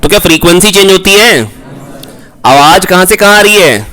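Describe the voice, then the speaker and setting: Male physics tutor, somewhat high voice, repetitive and coaxing, full of questions to the class. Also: expressive, normal speed, bright, forceful tone. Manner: coaxing, repeats key points, calls students "beta"; asks rhetorical questions, prompts answers. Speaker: physics teacher. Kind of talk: online exam-prep lecture.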